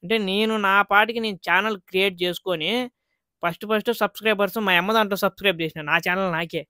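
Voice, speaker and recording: A man's voice: sits high, fairly even intonation, fast talker, bright, forceful tone, clear, resonant tone, no echo, studio quality. A man vlogging in a casual, earnest way, chatting straight to his viewers.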